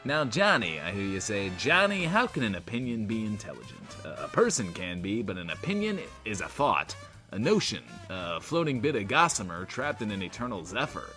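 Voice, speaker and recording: An actor playing a swaggering but insecure host of a post-apocalyptic bunker radio show, talking in a pompous, wordy, theatrical way. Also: male voice, fairly low pitch, very animated, normal speed, sharp tone, soft background music. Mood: pompous, showy. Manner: pompous, wordy, theatrical, talks of himself in third person. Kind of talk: in-world radio show monologue, audio drama.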